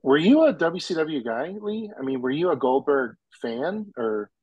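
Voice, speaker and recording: A man co-hosting a podcast, talking in an animated, playful way. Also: a little high, normal speed, slightly rough, dry recording, lo-fi sound. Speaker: podcast co-host. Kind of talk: casual chat.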